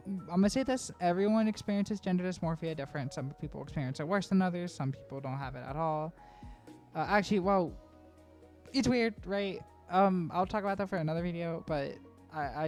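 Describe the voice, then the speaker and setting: A woman's voice: deep voice, brisk, a little mellow, faint music behind. Chatty rambling trans woman vlogger. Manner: rambling, frequent "right?" and laughs. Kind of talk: casual chatty voice-over. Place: home voice-over recording.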